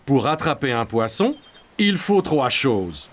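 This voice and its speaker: A man's voice: medium pitch, big pitch swings, slow pace. A man playing a kindly, patient grandfather who explains things in a children's cartoon. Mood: patient, teaching. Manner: patient, instructive. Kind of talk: animated children's cartoon dialogue.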